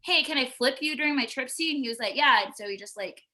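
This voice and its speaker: Casual female storyteller, high bright voice, chatty and slangy, swears freely, video-call sound. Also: quick pace. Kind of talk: casual group chat.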